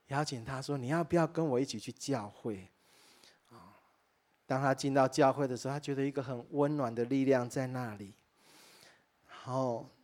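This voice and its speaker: A man's voice: mid-range voice, a little mellow. A male pastor preaching a sermon to his church congregation. He tells stories earnestly, breaks in with exclamations of wonder and speaks to his listeners directly as dear friends.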